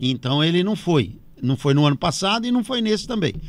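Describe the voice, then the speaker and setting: A man talks with lively intonation at a moderate pace. The background is silent and the recording very clean. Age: 60s. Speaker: political and labor analyst. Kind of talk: radio interview commentary.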